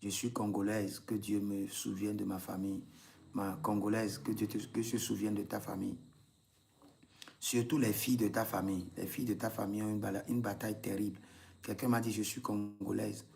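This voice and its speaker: A man's voice: lowish voice, flat delivery, normal speed, vocal fry, darkish tone, a little hiss or hum. A man, a prophet leading a live prayer session, repeating intense commands and breaking into tongues.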